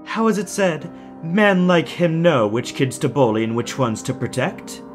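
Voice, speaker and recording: A man's voice: on the high side, fairly even intonation, normal speed, soft background music, natural voice. An actor playing a deranged, genteel villain in an audio drama, formal and mocking, savoring his words with menacing sweetness. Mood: silky menace.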